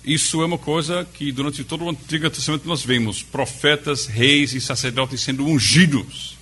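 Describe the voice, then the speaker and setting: A man with a foreign accent in Portuguese, teaching a Bible study to a group in a conversational way, with pauses and questions to the audience. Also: on the high side, pushed and bright, slight background noise. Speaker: pastor.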